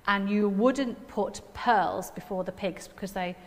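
A woman's voice: medium pitch, unhurried. A middle-aged woman with a Nottingham accent gives an informal sermon in a chatty, self-deprecating manner. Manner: chatty, self-deprecating, with frequent tag questions. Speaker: preacher. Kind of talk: informal sermon with personal anecdotes. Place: church hall stage at a lectern. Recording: echoey hall with long reverb.

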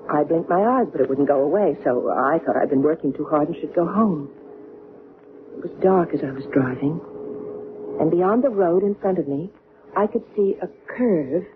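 Middle aged woman in old radio play, earnest n haunted, halting, tinny hissy recording. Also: lowish voice. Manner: hesitant, deliberate, broken phrases. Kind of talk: vintage radio drama acting.

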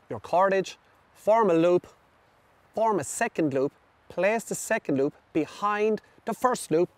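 Man teaching bushcraft outdoors, high voice. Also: darkish tone, dry recording. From Ireland. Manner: friendly, demonstrative, step-by-step instruction. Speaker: bushcraft presenter. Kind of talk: presenting outdoor tips to children. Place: outdoors in a forest.

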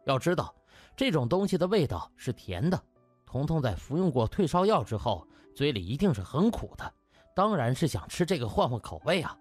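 A man voicing an indignant young doctor who argues forcefully in a dramatised audiobook. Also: on the high side, big pitch swings, normal speed, husky, soft background music. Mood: bitter, indignant. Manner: forceful, emphatic, aggrieved. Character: indignant young male doctor pressing his case.

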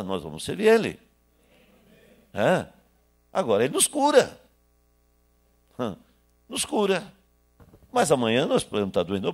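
A man in his sixties from Brazil, preaching a sermon into a handheld microphone in a small church hall, swinging between loud bursts and hushed asides. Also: medium pitch. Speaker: pastor.

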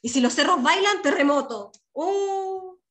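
A woman's voice: sits high, expressive, moderate pace, sharp tone. A woman with a Chilean accent teaching young children over a video call, patient and affectionate. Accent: Chilean Spanish. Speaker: primary school teacher. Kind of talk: online class teaching.

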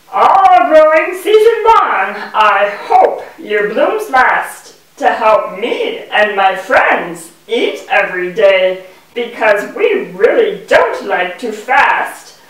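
A gentle talking bee from a children's puppet show, voiced by a woman. The delivery is theatrical and swoops up and down at a very unhurried pace. It is picked up from far off in a very echoey room. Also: on the high side, sing-song, exaggerated voice. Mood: pleading. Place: indoor room with puppet stage. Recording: echoey room, distant microphone.

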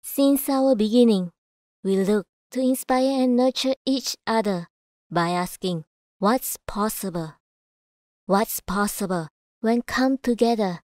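Female voice-over artist: slightly high, unhurried, measured delivery, dry close recording. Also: darkish tone, no room sound. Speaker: voice actor. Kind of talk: voice-over demo reading of commercials, narration and announcements.

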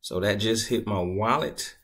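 A man casually talking through a screen-recorded tutorial at his computer, laid-back and thinking out loud as he goes. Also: on the low side, a little slow, slightly rough. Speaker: crypto tutorial creator.

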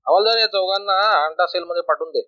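A stern middle-aged jail warden barks at prisoners, played by a man reading aloud. His scolding tone sits slightly high and dry, with no room around it. The recording is muffled and lo-fi. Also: fast talker, no echo, natural voice. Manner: scolding, bossy. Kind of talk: storybook reading. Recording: dull lo-fi recording.

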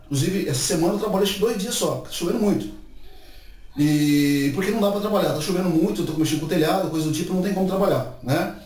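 A Brazilian man in his 40s hosts a YouTube channel, chatting casually to the camera in an indoor room in front of a painted wall. His voice is fairly high, and he's animated, gesturing a lot and peppering his talk with tags like "né", "tá certo" and "right?". The camera mic sits a few meters away, so the room sounds echoey and distant.

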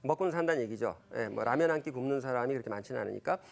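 Racing along with a fry in his voice, this Christian lecturer in his fifties recounts Bible episodes and family anecdotes at church. He stumbles through fillers and corrects himself, animatedly performing quoted lines with sharp pitch leaps.

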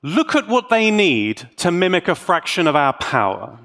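A British man delivering a scripted tech talk as a conference speaker, theatrical and wry, with dramatic pauses. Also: high-pitched, big pitch swings, a bit bright. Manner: wry, tongue-in-cheek.

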